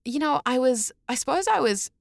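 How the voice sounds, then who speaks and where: A woman's voice: high voice, animated, normal speed, creaky, no echo. A woman telling personal stories as a podcast guest, enthusiastic and chatty, acting out what people said. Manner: chatty, enthusiastic, acts out reported speech. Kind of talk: animated personal storytelling.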